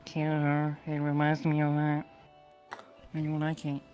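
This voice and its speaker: A roleplay villager voice, subdued and sparse, with almost no rise or fall in pitch. Faint music plays underneath. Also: completely flat delivery, measured pace, darkish tone, highs cut off. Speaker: roleplay player as troubled villager. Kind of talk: casual in-character roleplay chat.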